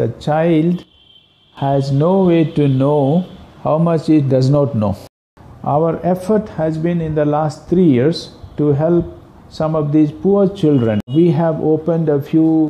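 Ordinary pitch variation comes through at a very slow pace. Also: man. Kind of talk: interview answer. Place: office. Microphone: lapel.

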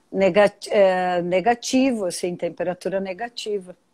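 Against a quiet background, a woman speaks fairly slowly in a dark, mellow tone. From Rio Grande do Sul, Brazil. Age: 40s. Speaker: mayor and nurse; mayor. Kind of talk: live-stream interview. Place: home room. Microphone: too close to the mic at first; earbuds.

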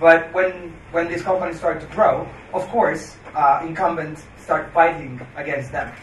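Intonation stays fairly even as a man speaks at fairly high pitch. There is audible room echo and light background noise. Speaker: tech startup founder; panelist. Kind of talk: panel discussion. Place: hall.

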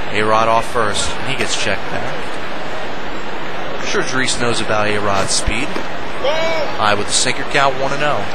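At a fairly slow pace, a man with a medium pitch keeps his loudness very even over noticeable background noise. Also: fairly even intonation. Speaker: video game sports commentator. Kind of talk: live play-by-play baseball commentary.

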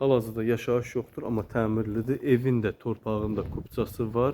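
The speaker has a dark, mellow tone, talking at a moderate pace with fairly even intonation. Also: man. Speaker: real estate agent. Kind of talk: property tour video. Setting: walking tour of a house.

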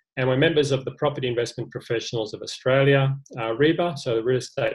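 A somewhat breathy man with fairly even intonation against a quiet background. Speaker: presenter. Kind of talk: webinar presentation. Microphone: webcam.

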